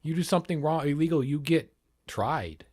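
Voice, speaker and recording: A man's voice: fairly high pitch, normal speed, darkish tone. A man hosting a political livestream, arguing in a rambling, casual way and swearing now and then. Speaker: livestream host.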